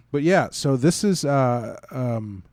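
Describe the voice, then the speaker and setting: Male podcast host, mid-range pitch, wry and conversational, rambling storyteller, dry close sound. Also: lively intonation, slow pace, darkish tone, dry recording. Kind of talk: casual conversational chat.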